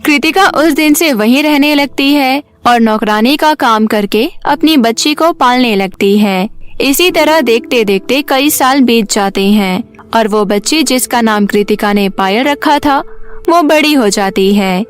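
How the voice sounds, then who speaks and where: A woman's voice: fairly high pitch, unhurried. A woman storyteller giving scripted narration for a children's tale. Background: background music.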